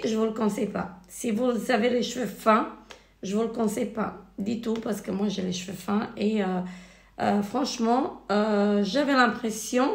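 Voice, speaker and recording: A woman with a cold and a hoarse voice, hesitantly reviewing finished beauty products in a casual vlog. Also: mid-range voice, darkish tone. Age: married adult. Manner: hesitant, many fillers and restarts. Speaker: beauty vlogger. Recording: echoey room.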